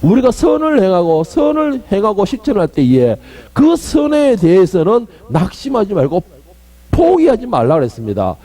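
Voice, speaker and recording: A man's voice: sits high, huge pitch swings, normal speed. A male pastor preaching a sermon, emphatic and often quizzing his congregation. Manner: emphatic, questioning the congregation, swinging between loud and hushed.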